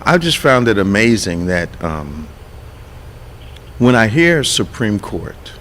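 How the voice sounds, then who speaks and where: A man who pastors a church and hosts a radio talk show, speaking emphatically, restarting words as he builds to sharp indignant peaks. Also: lowish voice, big pitch swings, takes it slowly, slight background noise. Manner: repeats and restarts words while building a point.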